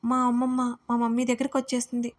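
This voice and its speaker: A woman voicing a playful, childish young woman who squeals and shouts in an audio story. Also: on the high side, monotone, fast talker, close to an everyday voice. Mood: childish pouting.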